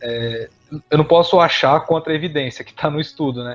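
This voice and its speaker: Keeping a moderate pace, a man speaks in a fairly high pitch with fairly even intonation. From Brazil, southern Minas Gerais (Itanhandu). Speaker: exercise science researcher. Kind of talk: podcast interview. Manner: halting, many fillers.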